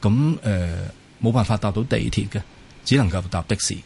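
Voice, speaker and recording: A man with a Hong Kong Cantonese accent giving modest, explanatory answers as an interview guest, with hesitant pauses. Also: fairly low pitch, vocal fry, darkish tone, a little hiss or hum. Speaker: interview guest, former tech company employee. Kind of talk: casual interview talk.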